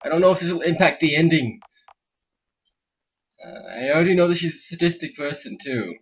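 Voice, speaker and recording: A man's voice: on the high side, fairly quick, slight background noise. A man hosting a casual gaming let's play, rambling with joking asides. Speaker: gaming video host. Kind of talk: casual let's play commentary with reading game text aloud. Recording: dull lo-fi mic with game music. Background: video game music.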